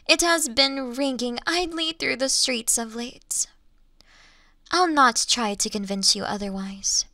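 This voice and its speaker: Refined, taunting monster lady played by a woman, Victorian fantasy roleplay. Unhurried, old-fashioned delivery, close dry sound. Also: a little high, creaky, sharp tone, no room sound, full character voice. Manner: slow, mocking, teasing, formal old-fashioned diction. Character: taunting, refined female monster toying with her hunter.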